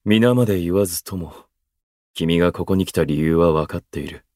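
Man acting a low-voiced, pompous theatrical gentleman. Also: no room sound, clean studio sound, close to an everyday voice. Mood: coolly courteous. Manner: pompous, florid, unhurried speech. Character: theatrical, aloof male station worker, eloquent observer. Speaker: voice actor. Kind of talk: Japanese voice drama acting.

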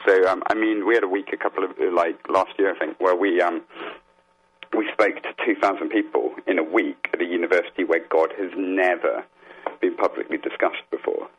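A man speaking as an interview guest, explaining things in an earnest, reflective way and halting as he gathers his thoughts. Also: deep voice, fairly even intonation, a little hiss or hum. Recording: dull, muffled phone-like line.

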